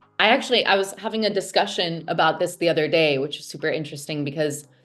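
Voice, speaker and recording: Ordinary pitch movement and big shifts in loudness, with music playing in the background. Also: woman. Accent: American. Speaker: marketer and stand-up comedian. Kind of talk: interview conversation.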